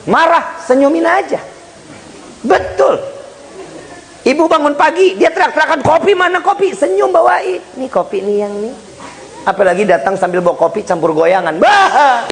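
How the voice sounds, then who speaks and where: A male preacher giving a humorous sermon, speaking straight to the congregation with loud bursts and hushed asides. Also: extremely high pitch, slight background noise, rough recording. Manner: jokey, animated, swings between loud and hushed; addresses listeners directly as Pak and Bu.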